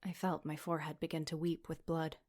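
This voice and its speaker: A woman's voice: deep voice, flat delivery, brisk, a little mellow. A woman playing a guarded teenage Catholic schoolgirl who narrates her own memories in a serious way in an audio drama. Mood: tense, reflective. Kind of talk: first-person audio drama narration and dialogue.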